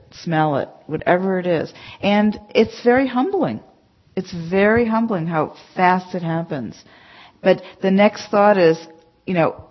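A woman teacher giving a conversational dharma talk to a class, emphatic and chatty with many "you know" asides. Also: on the low side. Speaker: meditation teacher. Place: meditation center hall. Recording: dull lo-fi talk recording.

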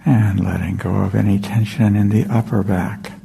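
A man with a low, gravelly voice guides a meditation, his words unhurried and spaced out with long silences. His tone is dark and soft. Faint noise sits behind him in the hall. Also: steady tone. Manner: slow, soft, with long pauses. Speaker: meditation teacher.

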